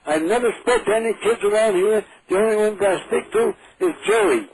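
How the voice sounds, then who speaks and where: A man's voice: high voice, fairly quick, gravelly. A man in his eighties on the phone, confused, repeating his questions and swearing now and then. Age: 80s. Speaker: prank call recipient. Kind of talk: phone conversation. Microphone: telephone. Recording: noisy phone line.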